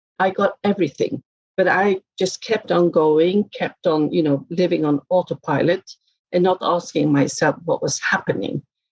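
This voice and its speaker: A woman with a Norwegian accent, fairly low in pitch, at a moderate pace with ordinary pitch variation and very even loudness, in a dry, close sound with no echo. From Northern Norway. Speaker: head of diversity and inclusion at a bank. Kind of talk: podcast interview answer.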